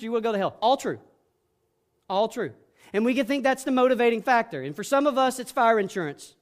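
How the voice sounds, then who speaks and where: A middle-aged male pastor preaching a sermon in an earnest way, swinging between hushed, gentle passages and emphatic ones. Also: high-pitched.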